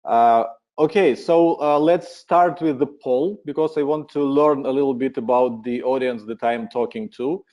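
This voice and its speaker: A man with a Ukrainian accent presenting a webinar in a relaxed, friendly way, with many filler uhs. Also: mid-range voice, normal speed, muffled recording.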